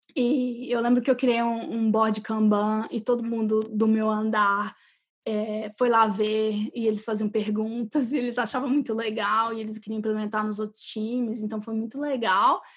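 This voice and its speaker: Somewhat breathy, this woman speaks at a fairly high pitch. She keeps a moderate pace with monotone, flat intonation. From Brazil, Belo Horizonte. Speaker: tech program manager. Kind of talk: podcast interview.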